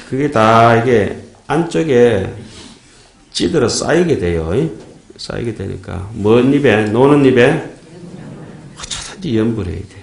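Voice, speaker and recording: Low-voiced monk preaching in an echoey hall. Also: male voice, a little mellow, a little hiss or hum. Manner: folksy, joking, asks the audience "예?". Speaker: Buddhist monk giving a dharma talk. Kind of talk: sermon. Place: temple dharma hall.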